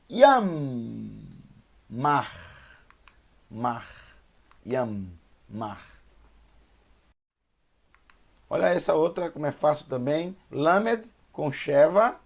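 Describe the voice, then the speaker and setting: A man with a Brazilian Portuguese accent teaching beginner Hebrew, sounding out syllables slowly and repeating each word. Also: on the high side, gravelly, a little mellow. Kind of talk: slow beginner language lesson.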